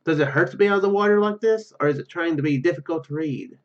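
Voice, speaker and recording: Higher-pitched man reading a game aloud, dull sound. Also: fast. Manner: stumbles over words while reading. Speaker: gaming video host. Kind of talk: let's play, reading story narration aloud with casual comments.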